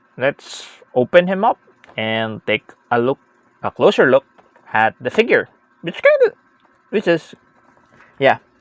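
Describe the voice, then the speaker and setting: A man with a non-native accent speaks at a fairly slow pace, his high voice making very wide pitch swings between long, frequent pauses, in a dry, close sound with no echo. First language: not English. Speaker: toy reviewer. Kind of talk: product review. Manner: halting, many fillers.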